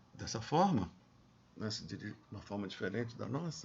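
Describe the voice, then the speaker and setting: A somewhat breathy man at a fairly slow pace, in a Rio de Janeiro accent, with audible room echo. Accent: Carioca Brazilian Portuguese. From Brazil, Rio de Janeiro. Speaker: professor. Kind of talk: lecture. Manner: halting, with self-corrections.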